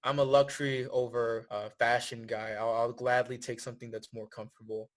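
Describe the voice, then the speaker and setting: Laid back guy in his 20s from thailand, guest on a podcast, middle pitch. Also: level tone, a little fast. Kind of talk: casual interview chat.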